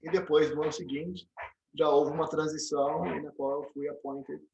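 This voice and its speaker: A middle-aged Brazilian man being interviewed, telling animated stories with frequent restarts and tag questions. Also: a little high, moderate pace, gravelly, muffled recording, slight background noise. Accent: Brazilian Portuguese. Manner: storytelling, animated, many restarts and "né?" tags. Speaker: interview guest, dentist and program director. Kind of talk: casual interview conversation.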